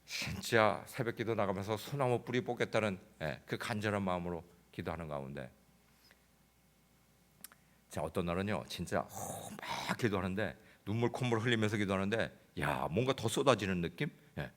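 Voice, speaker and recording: A man preaching a sermon as pastor, telling a comic story that swings between loud outbursts and hushed, intense passages. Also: lowish voice, normal speed. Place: church sanctuary.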